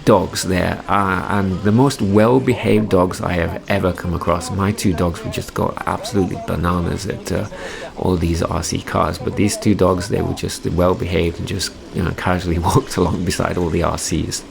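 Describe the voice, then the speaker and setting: A man in his forties from Derby, England, with a Midlands English accent softened by many years abroad, chatting in a rambling way with lots of ums and restarts as a hobby vlogger's voice-over. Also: low-pitched, steady tone, moderate pace, creaky, crowd noise. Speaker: RC hobby YouTuber. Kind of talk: casual voice-over commentary.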